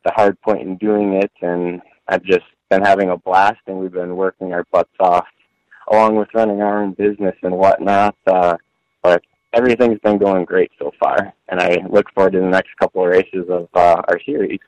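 A laid-back man answering interview questions over a phone line, pausing often with fillers as he talks about racing. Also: sits low, little pitch movement, darkish tone, no room sound. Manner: laid-back, many "uh" fillers and trailing sentences. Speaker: off-road buggy racer guest.

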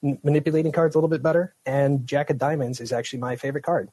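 A man's voice: medium pitch, little pitch movement, very fast, warm tone, husky, dry recording. A man calling in to a podcast game, hesitant and laughing nervously. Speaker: caller. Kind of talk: casual call-in chat.

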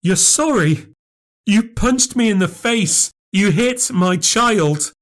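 A man's voice: high voice, sing-song, normal speed, voice pushed up. A man voicing an upset, anxious adult woman who confronts her sister, hurt and insistent. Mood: angry, hurt.

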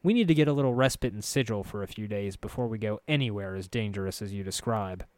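A man's voice: fairly low pitch, fast, a little mellow, no room sound, natural voice. Man acting a weary, grumbling fantasy hero, dry sound. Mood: weary, firm. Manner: growling, frustrated. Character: weary, gruff, grumbling male fantasy protagonist.

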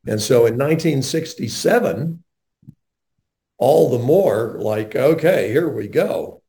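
Earnest older male radio host, mellow tone. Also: medium pitch, slow pace. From North Carolina, USA. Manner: earnest, animated storyteller.

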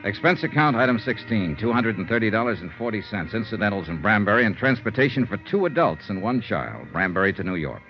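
An actor playing a hard-boiled insurance investigator, narrating tersely and steadily in a 1950s radio drama on an old dull recording. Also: male voice, lowish voice, big pitch swings, fast talker, few pauses, music in the background. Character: insurance investigator Johnny Dollar, calm narrator.

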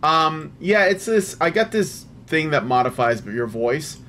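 A man hosting a podcast, relaxed and rambling in casual chat. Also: a little high, measured pace, slight background noise. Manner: relaxed, rambling, many fillers. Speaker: podcast host.

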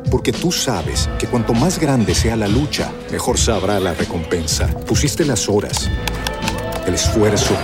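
A male announcer giving a punchy, persuasive scripted read for a radio commercial. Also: fairly low pitch.

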